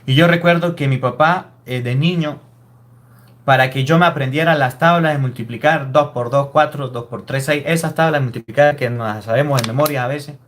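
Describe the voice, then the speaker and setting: A man's voice: medium pitch, a little fast, fairly bright tone. A man preaching a Catholic sermon, emphatic and scolding, full of rhetorical questions. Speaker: Catholic priest.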